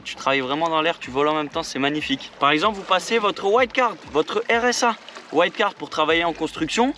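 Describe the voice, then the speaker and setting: A man's voice: a little high, pushed and bright, a little hiss or hum. A man giving upbeat, jokey tips in a casual vlog, talking to viewers as friends. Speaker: vlogger giving job tips.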